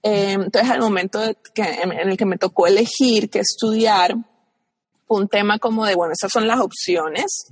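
A woman's voice: mid-range voice, normal speed, breathy edge, dry recording, in a large hall. A woman from Colombia with a Caribbean coast accent, a guest in a casual interview, talking reflectively with many fillers and restarts.

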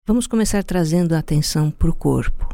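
A Brazilian-accented speaker guiding a meditation in a calm, soothing, unhurried way, leaving pauses between instructions. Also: mid-range voice, vocal fry, no echo, clean studio sound. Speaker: podcast host guiding a meditation. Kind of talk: slow guided meditation narration.

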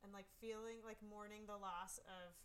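A woman in her thirties whose first language is Farsi, an author chatting in an interview, animated and quick to laugh. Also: mid-range voice, slight background noise. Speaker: author guest. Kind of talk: casual interview chat.

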